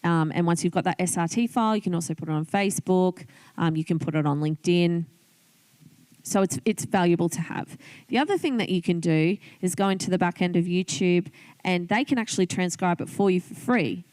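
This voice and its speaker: Her voice is on the low side and a little mellow, and she speaks briskly in a dry recording. An online business coach with an Australian accent, she teaches video tips in a casual screen-demo tutorial, thinking aloud and explaining things one step at a time.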